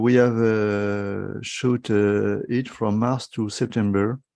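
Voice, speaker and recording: In a French accent, a man speaks at a very slow pace with fairly low pitch, a dark, mellow tone and monotone, flat intonation. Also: quiet background. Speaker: agricultural consultant. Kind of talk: presentation. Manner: halting, many fillers.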